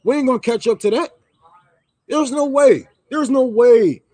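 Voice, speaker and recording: A man's voice: very high voice, moderate pace, dark tone, no room sound. A man on a livestream, ranting heatedly and with profanity, repeating lines for emphasis. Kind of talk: livestream rant. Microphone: microphone.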